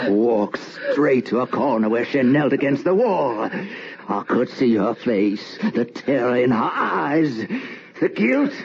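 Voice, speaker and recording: Haunted, halting husband, old noisy radio. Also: male voice, medium pitch, creaky, dull audio, exaggerated voice. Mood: tense, haunted. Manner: halting, repeating words, tormented. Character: haunted, guilt-ridden husband confessing his wife's murder. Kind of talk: old-time radio horror drama acting, dramatic monologue.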